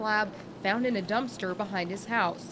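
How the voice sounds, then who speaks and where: At a moderate pace, a woman speaks at medium pitch with fairly even intonation over noticeable background noise. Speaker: TV news anchor and reporter. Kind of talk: TV news field report narration.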